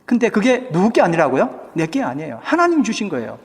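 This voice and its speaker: A man's voice: sits high, huge pitch swings, quick pace. A male pastor preaching a sermon, putting questions to the congregation and acting out what people say. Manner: asks the congregation questions, acts out quoted speech. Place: church. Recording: church hall with long reverb.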